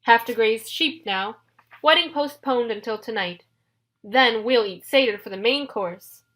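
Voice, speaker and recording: A woman voicing a huge, slow-witted male cyclops who talks loudly in slow, broken phrases. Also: a little high, rough recording. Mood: musing. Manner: slow, loud, halting broken speech.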